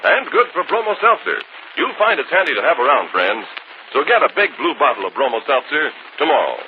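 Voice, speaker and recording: A male radio announcer delivers an ad and narration with a smooth selling cadence and animated pitch. The sound is thin and tinny, with faint hiss. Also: fairly quick. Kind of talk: scripted ad and narration. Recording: tinny vintage radio broadcast.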